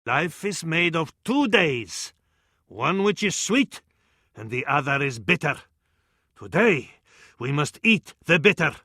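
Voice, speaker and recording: This heavily acted male voice belongs to a fervent battlefield counsellor in a strategy game, pitched high and ringing bright and forceful through an Arabic accent. He speaks to a sultan in an ornate, dramatic style full of proverbs, typical of theatrical video game voice acting. The recording is very close and dry, with no echo.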